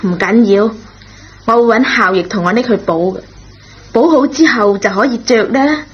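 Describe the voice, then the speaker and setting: Patient, gentle schoolteacher, lo-fi. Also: female voice, fairly high pitch, slightly rough. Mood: reassuring. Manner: gentle, measured, reassuring. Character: kind, forgiving, patient female schoolteacher, a parent. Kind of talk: Cantonese radio drama acting. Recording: dull, noisy old radio recording.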